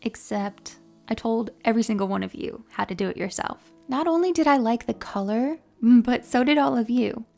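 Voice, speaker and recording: A woman in her twenties with a New York accent, calmly telling a personal story to camera for her vlog. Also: a little high, normal speed, gravelly, soft background music. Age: 20s. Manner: calm and mellow. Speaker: beauty vlogger.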